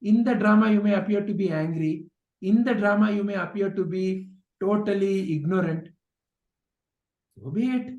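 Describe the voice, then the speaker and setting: A man's voice: high voice, normal speed, a little mellow, dull audio. A man giving a spiritual discourse, asking rhetorical questions and repeating phrases for emphasis. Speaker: spiritual teacher. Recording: echoey room sound.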